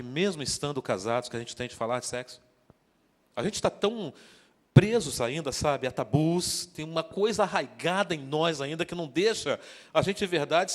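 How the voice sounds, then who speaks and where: Joking preacher in a reverberant hall. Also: male voice, on the high side. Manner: joking, interactive, calls out to the congregation. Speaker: guest preacher. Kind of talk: sermon. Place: church hall. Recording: long church hall reverb.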